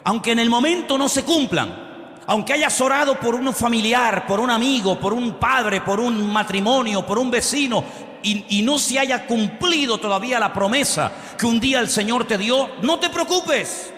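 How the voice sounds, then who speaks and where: A man's voice: very high-pitched, moderate pace, fairly bright tone. A man from preaching a sermon emphatically, asking the congregation questions and acting out quotes. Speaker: pastor. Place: church hall. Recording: echoey hall reverb.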